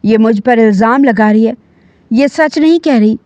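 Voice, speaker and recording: A woman's voice: a little high, warm tone, no room sound, natural voice. A guilty young man answers, flustered and defensive, voiced by a woman narrator. The recording is dry. It is somewhat dull.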